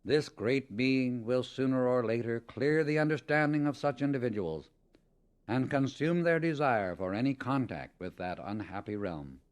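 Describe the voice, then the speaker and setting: This man's animated, mid-pitched narration of a spiritual text from a script stays solemn and deliberate. Like an audiobook reader, he hits the key words with firm emphasis.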